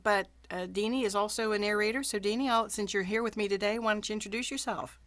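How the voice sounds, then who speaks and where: A woman's voice: medium pitch, steady tone, fast talker, fairly bright tone. A woman audiobook narrator hosting a casual video call chat, talking with plenty of ums and friendly encouragement.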